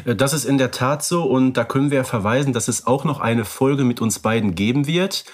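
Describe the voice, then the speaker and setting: A man's voice: mid-range voice, brisk. A man co-hosting a podcast, talking conversationally with precise, slightly formal turns of phrase. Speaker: podcast co-host.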